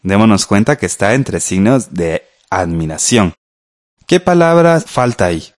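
A man with a low voice teaches on a radio program. His pitch rises and falls in wide swings as he explains, patient and direct with the listener. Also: sing-song, a little slow. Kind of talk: scripted radio lesson.

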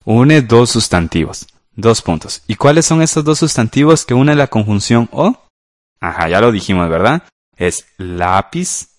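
Patient male teacher with a lively voice. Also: mid-range voice, moderate pace, dry recording, clean studio sound. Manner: patient, walks through exercises step by step with "ajá" and "¿verdad?". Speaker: radio class teacher. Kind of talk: radio lesson explaining grammar.

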